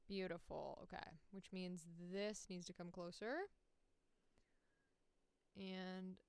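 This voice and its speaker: A woman's voice: fairly low pitch, steady tone, takes it slowly, vocal fry, clear, resonant tone, no echo. A woman voice actor chatting casually on a livestream, informal and sweary, thinking aloud as she works. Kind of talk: casual livestream chat while editing audio.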